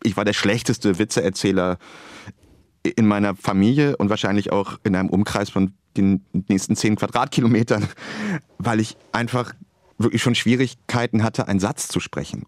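Male guest in his forties, stutters, low-pitched, close dry studio sound. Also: normal speed, no room sound. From Bremerhaven, Germany. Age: 40s. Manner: stuttering, reflective. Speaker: author and journalist guest. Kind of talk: radio interview.

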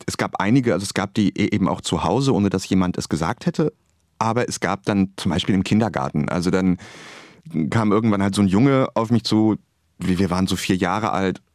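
Stuttering man, low dry voice. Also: a little mellow, no room sound. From Bremerhaven, Germany. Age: 40s. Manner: stuttering, reflective. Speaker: author and journalist guest. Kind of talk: radio interview.

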